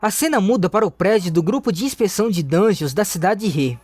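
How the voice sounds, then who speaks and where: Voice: mid-range voice, lively intonation, quick pace, darkish tone, dry recording, faint music behind. A narrator, reading a comic story recap steadily, with small restarts. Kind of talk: recap narration, read aloud.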